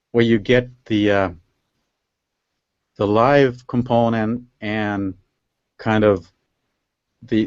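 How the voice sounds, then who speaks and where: Hosting a casual interview on a live video call, this man from Finland speaks with a Finnish accent and frequently gropes for words, as Finnish is his native language. The audio is dull, lo-fi call quality without echo, and his medium-pitched voice has a darkish tone.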